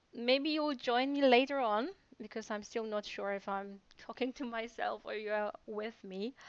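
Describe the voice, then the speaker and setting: A woman speaks at a fairly slow pace with a non-native accent. Her pitch is fairly high and varies in an ordinary way. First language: Polish. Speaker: language tutor. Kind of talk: webinar. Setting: live online webinar. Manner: hesitant, many fillers.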